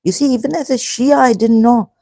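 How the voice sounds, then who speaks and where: A speaker from Pakistan, an online religion commentator rambling through a solo livestream in a halting, emotional way with many broken-off phrases. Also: medium pitch, creaky, dark tone, dry recording, studio quality. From Pakistan, grew up in Karachi.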